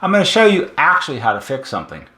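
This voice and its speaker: A man's voice: on the high side, wildly swooping pitch, very fast, sharp tone. Man explaining repairs in an echoey room. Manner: emphatic, uses repetition and rhetorical questions. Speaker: repair shop technician presenting a how-to video. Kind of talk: informal instructional video talk to viewers. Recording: roomy, echoing room sound.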